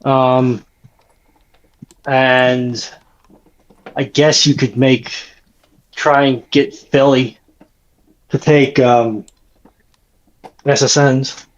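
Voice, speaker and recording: Male panelist, casual discussion. Very unhurried delivery, somewhat lo-fi, dulled sound. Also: mid-range voice, level tone, slight background noise.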